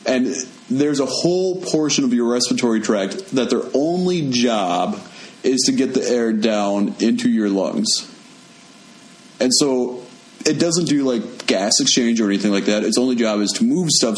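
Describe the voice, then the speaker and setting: Young man hosting in an echoey room. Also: mid-range voice. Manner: relaxed, explains step by step with many fillers. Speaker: podcast host. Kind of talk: casual chat and explaining. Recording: echoey room with faint music.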